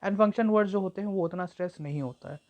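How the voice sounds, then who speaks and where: A young woman tutor giving an exam-prep lecture, explaining at length with frequent fillers and slowing down to read example sentences aloud. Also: medium pitch, darkish tone. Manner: reads English examples slowly and deliberately. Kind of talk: exam-prep lecture mixing Hindi and English.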